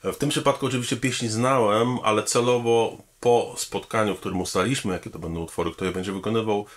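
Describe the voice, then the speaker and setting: A man, a pianist and composer, speaking formally and thoughtfully about his work and pausing often on hesitation sounds. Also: lowish voice, fairly even intonation. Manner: measured and thoughtful, with frequent hesitation fillers; formal, polite address to the audience. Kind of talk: promotional talking-head statement.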